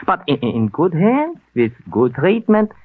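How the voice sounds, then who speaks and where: An actor playing a frightened little immigrant junk dealer who stammers and talks in formal, philosophical phrases. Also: male voice, a little high, wildly swooping pitch, a little slow, no echo, heavily acted. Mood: musing. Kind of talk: 1940s radio acting. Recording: thin, phone-like old radio broadcast.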